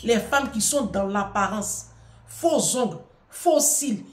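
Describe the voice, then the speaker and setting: A woman's voice: medium pitch, animated, slow pace, reverberant. A middle-aged woman giving impassioned advice to her audience, emphatic and preachy, repeating phrases for force.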